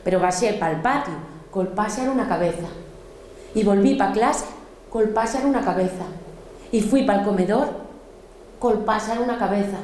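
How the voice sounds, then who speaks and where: A woman with an Asturian accent performing a theatrical storytelling monologue, speaking as a lively, mock-dreamy little girl. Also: medium pitch, moderate pace, pauses often, roomy sound, a little hiss or hum.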